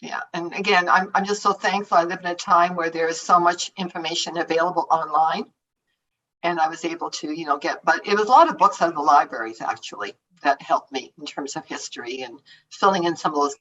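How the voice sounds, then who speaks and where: A woman's voice: deep voice, brisk, sharp tone. A Canadian woman, an author, chatting casually about her life and books, often laughing and trailing off mid-thought. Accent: Canadian English. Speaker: author answering audience questions. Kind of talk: casual conversational answers. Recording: distant, dull lo-fi remote audio.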